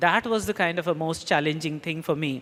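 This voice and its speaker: A man talks in a Marathi accent with a bright, sharp tone. His pitch shows ordinary variation. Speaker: translator and professor. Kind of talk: speech at book launch. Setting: auditorium with audience. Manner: halting, many fillers.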